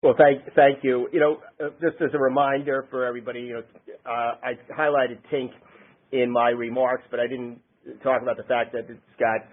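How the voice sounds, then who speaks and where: A man speaking as a company executive on an earnings call, halting and often rephrasing his words. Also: mid-range voice, flat delivery. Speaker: company executive answering analysts. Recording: narrow-band conference phone line.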